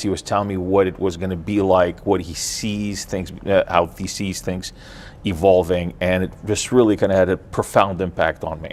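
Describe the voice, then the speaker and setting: A man with a Russian accent speaks in a flat monotone at a very deep, low pitch. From Ukraine, then USA from middle school. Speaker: blockchain company founder. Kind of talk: interview. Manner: hesitant, many fillers.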